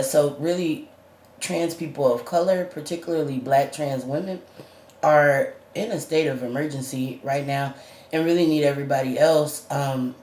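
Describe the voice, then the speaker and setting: A man's voice: mid-range voice, a little mellow, reverberant, slight background noise. A trans man vlogging in casual chat. He uses a lot of fillers and laughs often, and his voice is going up and down and sometimes cracks.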